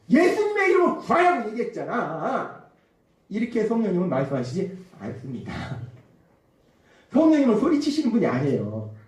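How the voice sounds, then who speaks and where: A man preaching a Sunday sermon, acting out quoted voices and dropping to a hush at times, recorded from a distance in a church. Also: on the high side. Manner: animated, acts out quoted voices, drops to a hush. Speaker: pastor. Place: church sanctuary. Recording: echoey church hall from a distant mic.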